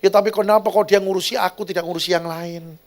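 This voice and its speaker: A tearful, anxious churchgoing woman, voiced by a male preacher in a pleading, plaintive tone. The voice sits fairly high and has a gravelly edge. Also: fairly even intonation, fast talker. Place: church hall.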